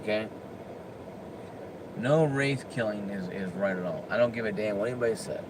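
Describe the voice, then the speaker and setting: A man's voice: fairly low pitch, moderate pace, background noise. A man delivering an unscripted opinion rant, emphatic and often stammering through restarts. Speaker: political commentator.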